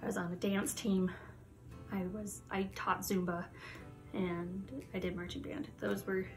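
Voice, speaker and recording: A young woman from the United States chatting casually to the camera in her vlog, lively and laughing often. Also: medium pitch, measured pace, soft background music. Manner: chatty, laughs often, animated hand gestures. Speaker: YouTuber. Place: Halloween-decorated room indoors.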